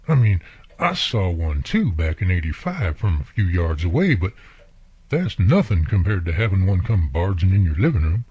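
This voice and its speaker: A man's voice: low-pitched, a little mellow, husky, no echo, heavily acted. An actor playing a friendly, plainspoken country handyman neighbor with an American country accent, talking folksily in a radio drama. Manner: folksy, colloquial, drawling turns of phrase. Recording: muffled, lo-fi audio.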